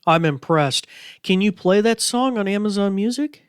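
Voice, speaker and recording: A man's voice: high-pitched, lively intonation, moderate pace, smooth, no echo, clean studio sound, faint music behind. A man hosting a podcast, chatting casually and rambling with lots of fillers as he demos a gadget. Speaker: podcast host. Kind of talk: casual tech demo chat.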